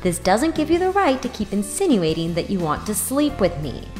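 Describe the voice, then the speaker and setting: A woman's voice: mid-range voice, big pitch swings, moderate pace, darkish tone, long reverb tail, close to an everyday voice. Woman playing a sardonic, weary young student, strong music behind. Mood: wry, weary. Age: young adult. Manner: dry, sardonic, reluctant. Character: weary, sarcastic 24-year-old woman student and waitress narrating. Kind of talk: first-person audio drama narration and dialogue.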